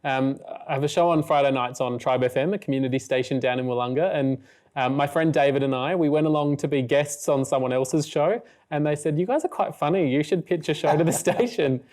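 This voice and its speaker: A man chatting as an interview guest, upbeat and playful, speaking in quick run-on phrases. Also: fairly high pitch, a little mellow. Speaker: guest, regional manager and radio presenter. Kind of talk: casual interview chat.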